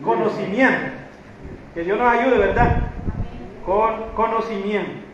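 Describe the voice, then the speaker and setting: A man's voice: high voice, slow, a bit bright. A man preaching a sermon to a congregation, often checking in with "right?" and repeating a call for God's help. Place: church hall. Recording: very echoey, muffled church recording with faint noise.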